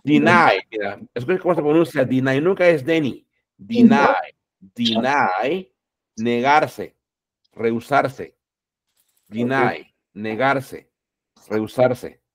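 A man teaching a class, repeating each word and its translation, calling out words loudly and then dropping his voice. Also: mid-range voice, lively intonation, slow pace, pauses often. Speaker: English teacher. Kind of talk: classroom lesson.

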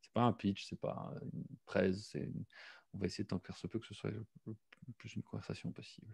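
Gravelly rambling male host. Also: on the low side, flat delivery, a little fast, darkish tone, dry recording. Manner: rambling, stacks fillers and repeats. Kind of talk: live conversation host.

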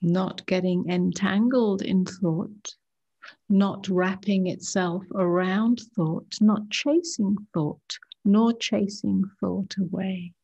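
Slow, breathy woman leading meditation. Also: medium pitch, highs cut off. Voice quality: soft, breathy, often near a whisper. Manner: unhurried short phrases, hushed, calming. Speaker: meditation teacher. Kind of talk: guided meditation, slow and gentle with long pauses.

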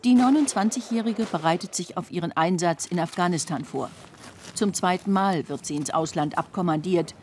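A woman's voice: fairly low pitch, normal speed, darkish tone, a little hiss or hum. A woman reading scripted narration for a television documentary report.

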